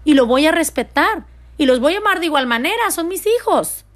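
A Mexican woman in her forties, a mother telling family stories to her viewers in a loud, expressive, casual way. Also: high voice, fairly quick.

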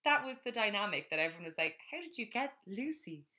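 A woman's voice: mid-range voice, very animated, quick pace, bright, forceful tone. A young woman from Ireland co-hosting a podcast, chatting casually and rambling in a self-mocking way. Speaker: podcast co-host. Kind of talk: casual chat.

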